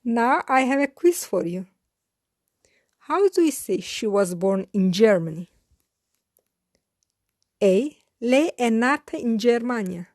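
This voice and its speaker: Slow, careful woman teacher. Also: a little high, lively intonation, darkish tone, no echo, studio quality. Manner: slow, careful enunciation with repeated phrases. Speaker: language teacher. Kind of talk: slow scripted language lesson.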